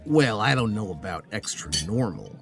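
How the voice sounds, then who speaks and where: A slightly awkward police sergeant in an audio drama. His fairly low voice is dry and hesitant yet varied in pitch, with music clearly behind it. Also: sing-song, moderate pace. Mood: guarded.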